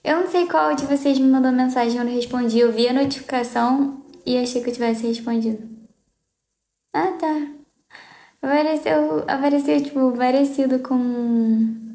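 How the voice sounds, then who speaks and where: A young adult woman with a Brazilian accent chats playfully and casually on a livestream from a small room at home. Her voice is high and mellow, her pace moderate, and the room sounds reverberant.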